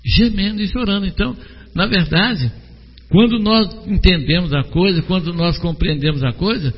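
Husky preacher in a hall. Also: male voice, sits high, normal speed. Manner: asks the congregation questions and names members. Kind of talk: sermon. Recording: long hall reverb, dull lo-fi sound.

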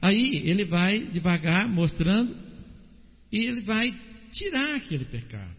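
Um homem pregando num culto, com voz animada que sobe e desce de forma dramática. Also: male voice, unhurried, in a large hall, highs cut off. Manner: animated preaching with dramatic swings of pitch and pace. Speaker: pastor. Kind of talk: sermon. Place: church hall.

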